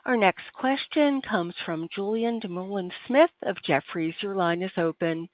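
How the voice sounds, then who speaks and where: A woman's voice: mid-range voice, normal speed, dry recording. A woman announcing formally as the operator of a conference call, using scripted phrases. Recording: dry, slightly dull call audio.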